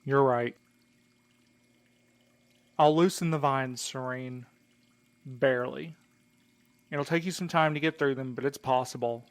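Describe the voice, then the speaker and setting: A man's voice: medium pitch, fairly even intonation, a little slow, long pauses, dry recording, natural voice. A man playing a weary, protective and dryly sardonic character in a naturalistic audio drama. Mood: stern, threatening.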